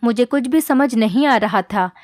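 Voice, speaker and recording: Female narrator, earnest scripted storytelling, higher register, dry close-mic sound. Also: animated, moderate pace, darkish tone, no room sound. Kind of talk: first-person scripted storytelling.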